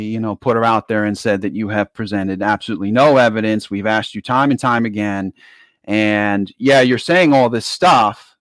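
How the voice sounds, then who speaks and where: A man's voice: on the low side, fairly bright tone, no echo. A man giving informal political commentary in an emphatic way, repeating phrases for stress. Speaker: guest commentator.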